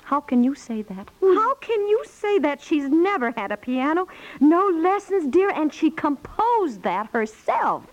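An actress playing a doting, excitable young wife and proud mother in a 1950s radio domestic comedy, gushing, chatty and coaxing. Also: high-pitched, measured pace. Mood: insistent. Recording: muffled 1950s radio recording.

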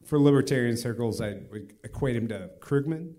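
A man in the audience asking a speaker a question in a halting, hesitant way. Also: medium pitch, expressive, warm tone.

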